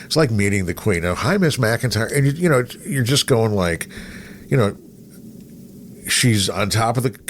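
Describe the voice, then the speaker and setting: A middle-aged man with a lowish voice hosts a casual interview. He rambles through anecdotes like an animated storyteller. There is noticeable noise behind him. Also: moderate pace. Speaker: podcast host, veteran radio broadcaster. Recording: clear background noise.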